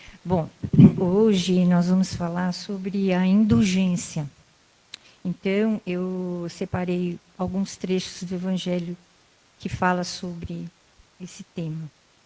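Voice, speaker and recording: A woman talks very slowly at a medium pitch. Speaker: spiritist lecturer. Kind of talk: lecture.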